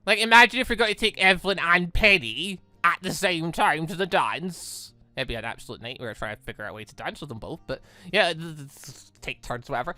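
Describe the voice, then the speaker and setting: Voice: mid-range voice, animated, fairly quick, few pauses, bright, forceful tone, dry recording, soft background music. A gaming video host giving casual, rambling commentary, thinking aloud while playing.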